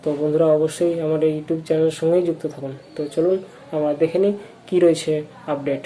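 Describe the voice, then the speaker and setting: An informal viewer update from a channel host with a West Bengal accent, delivered haltingly and repetitively like someone just starting out as a presenter. His medium-pitched voice is steady and warm, with a little hiss or hum in the audio.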